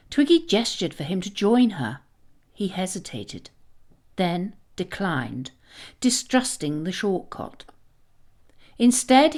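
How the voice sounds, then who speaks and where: A woman narrating a scripted children's story in a dramatic, expressive manner. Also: mid-range voice.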